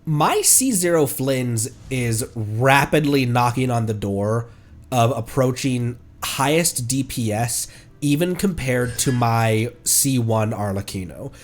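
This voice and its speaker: A male livestreamer talks casually over faint game music. His medium-pitched voice sounds plugged up and congested. He rambles through his commentary, stopping and correcting himself as he goes. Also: animated. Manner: rambling, halting, self-correcting. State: congested, stuffed-up nose. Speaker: livestreamer, VTuber.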